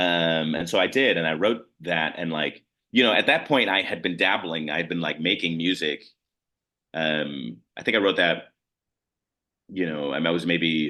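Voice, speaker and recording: This man has a very deep, low pitch and an American accent. He talks at a moderate pace with ordinary pitch variation. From US Midwest, north side of Chicago. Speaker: actor and composer. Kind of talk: interview. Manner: halting.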